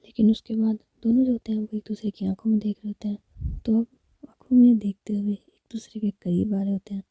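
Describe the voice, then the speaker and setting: A woman narrating a romance story in a soft, intimate whisper. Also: mid-range voice, level tone, fairly quick, husky, dry recording.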